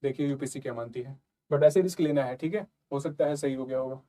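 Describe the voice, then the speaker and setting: Talking fast in a warm, mid-range voice, a man working as an exam prep tutor goes through exam questions in a casual lesson. "ठीक है" and "ना" come up again and again as he checks in with those listening.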